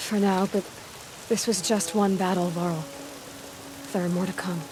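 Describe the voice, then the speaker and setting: A woman's voice: fairly low pitch, fairly even intonation, a little slow, lightly acted. A woman playing a determined young tribal huntress in a video game, plain-spoken, sardonic and guarded. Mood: resolute. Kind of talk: video game cutscene acting.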